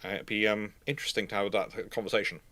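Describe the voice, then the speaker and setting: A man's voice: fairly low pitch, fairly even intonation, fast, bright, forceful tone, no echo. A man hosting a live stream, rambling casually as he answers viewers' questions. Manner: rambling, tangent-prone. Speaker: host of a naval history live stream.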